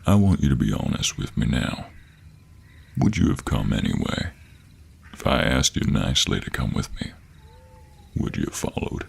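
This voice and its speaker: Guy doing a rumbly cowboy monster hunter, super deep n gravelly, folksy american drawl, teasing gentleman type, roleplay audio. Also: big pitch swings, normal speed, long pauses, exaggerated voice. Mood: stern, probing. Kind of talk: intimate audio roleplay acting.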